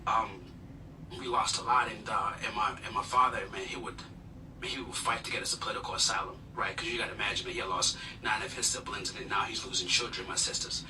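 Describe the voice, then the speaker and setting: A man's voice: fairly low pitch, steady tone, fast. A man from Uganda, a guest telling his life story in an earnest, humble way with many fillers. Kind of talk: personal storytelling interview. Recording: distant mic with noticeable noise.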